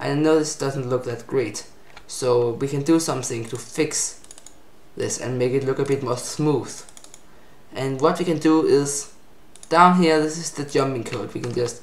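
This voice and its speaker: With audible room echo and noticeable background noise, a man with a fairly high pitch speaks in fairly even intonation, leaving long, frequent pauses. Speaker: game development tutorial maker. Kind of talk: tutorial. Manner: fast; hesitant with fillers.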